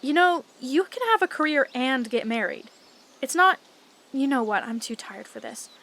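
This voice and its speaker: A woman playing a brisk, exasperated young lady knight, blunt and weary, in a comic fantasy audio drama. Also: high-pitched, animated, pushed and bright, heavily acted.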